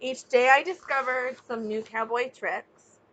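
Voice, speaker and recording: A woman's voice: fairly high pitch, low-quality recording. A woman teacher reading a children's picture book aloud expressively, stepping out of the story to chat with young listeners. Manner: expressive, pausing to ask young listeners questions and explain.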